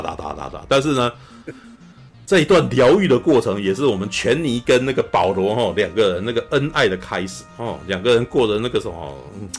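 A man from Taiwan, co-hosting a podcast and chatting casually about a film, animated, acting out scenes and often saying "you know". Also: fairly low pitch, creaky. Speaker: podcast co-host. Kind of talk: casual film review chat.

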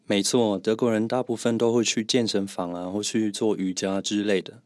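A man co-hosting a podcast as a German teacher, calmly and methodically explaining pronunciation. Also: fairly low pitch, moderate pace, no echo. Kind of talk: podcast language lesson.

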